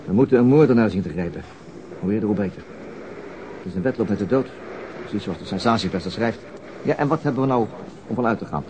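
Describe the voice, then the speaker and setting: A man's voice: lowish voice, lively intonation, fast, pauses often, lightly acted. Man playing a weary cynical detective, noisy recording. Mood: grim, cynical. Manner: gloomy, dry, sarcastic. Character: weary, cynical male police detective, married, curtly sarcastic. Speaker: actor. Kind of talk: naturalistic radio drama acting. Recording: noisy old radio drama recording.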